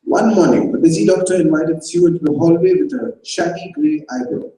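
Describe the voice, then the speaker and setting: A man's voice: fairly high pitch, mellow, slight background noise. Man reading a story in a roomy hall. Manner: measured storytelling delivery. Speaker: reader. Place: festival auditorium stage. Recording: echoey hall, distant mic.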